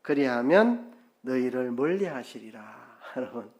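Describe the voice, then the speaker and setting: Pastor telling a story with acted voices. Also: male voice, mid-range voice, expressive, unhurried. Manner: storytelling with acted-out quotes, swinging loud and soft. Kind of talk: sermon. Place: church sanctuary.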